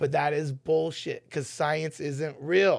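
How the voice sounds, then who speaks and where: Fairly high in pitch, a man speaks in an unremarkable speaking voice with fairly even intonation. The background is quiet. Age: 30s. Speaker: retired MMA fighter, podcast co-host; podcast co-host. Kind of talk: casual chat. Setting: studio. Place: studio. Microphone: studio mic.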